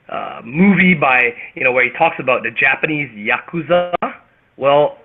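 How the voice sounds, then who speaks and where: A man with a Canadian accent hosting a motivational group conference call, speaking emphatically and theatrically with dramatic pauses. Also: medium pitch. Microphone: phone or web conference call. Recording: tinny phone-line radio sound.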